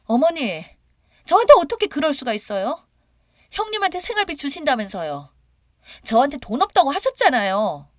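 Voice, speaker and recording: Woman doing a shrill, entitled young daughter-in-law, raised and pushy, audio drama. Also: sing-song, a little fast, dry recording, studio quality. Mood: indignant.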